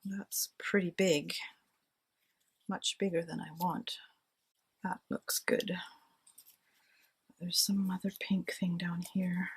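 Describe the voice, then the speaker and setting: A woman's voice: fairly low pitch, little pitch movement, slow pace, long pauses, breathy edge. A woman chatting casually to herself and her viewers while she decorates a handmade journal at home. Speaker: crafting vlogger. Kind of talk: casual crafting chat.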